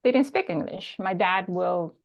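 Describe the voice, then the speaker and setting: Woman from new york, low voice, relaxed storytelling, dull call audio. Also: a little slow, vocal fry. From New York City. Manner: relaxed storytelling, laughs lightly. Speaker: coaching client. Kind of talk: casual chat. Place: video call.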